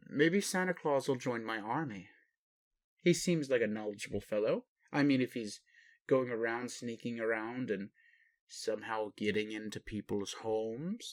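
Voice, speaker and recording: A man playing a gentle, puzzled alien daddy in an intimate roleplay audio, indulgent and bemused, with questioning hesitations. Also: mid-range voice, no room sound. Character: gentle, puzzled alien daddy, adult male spaceship commander. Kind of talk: intimate roleplay audio, speaking to one listener.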